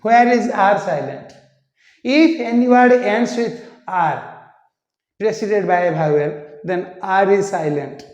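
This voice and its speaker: A man teaching an English pronunciation lesson, repeating words slowly to show how they should sound. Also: sits high, a little mellow. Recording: echoey room, muffled lo-fi sound.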